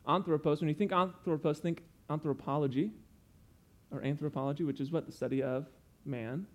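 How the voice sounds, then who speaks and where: A man's voice: on the high side, a little fast, a little mellow. A young man preaching a sermon, earnest and explanatory, stopping to teach with asides.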